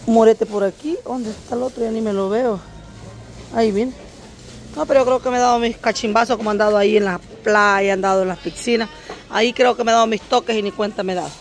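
Fast-talking and on the high side, a middle-aged woman keeps her intonation fairly even as she vlogs casually from an outdoor market. She chats with the vendors and addresses her viewers directly.

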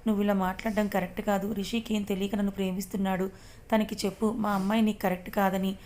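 A woman's voice: medium pitch, little pitch movement, racing, a little mellow, lightly acted. A woman voicing a heartbroken young woman, tearful and self-blaming. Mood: grieving.

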